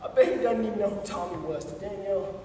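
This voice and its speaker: A man's voice: sits high, steady tone, quick pace, warm tone, a little hiss or hum, natural voice. An actor playing a rowdy, drunk rural man who taunts and brags crudely. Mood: taunting. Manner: taunting, crude, swaggering storyteller. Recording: echoey hall, far from the mic.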